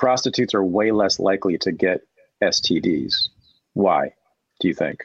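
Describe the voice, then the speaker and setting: In a dry, close recording with no echo, a man keeps his loudness very even and leaves long, frequent pauses. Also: moderate pace. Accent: Californian. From US West Coast, Berkeley, California. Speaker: historian. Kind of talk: casual chat. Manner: animated.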